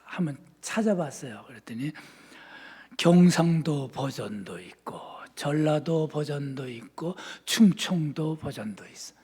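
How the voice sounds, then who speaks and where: A man from Seoul preaching a sermon as pastor, moving between fervent shouting and hushed, soft-spoken asides. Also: fairly high pitch, expressive, unhurried, husky. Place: church sanctuary. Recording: long reverb in a church sanctuary.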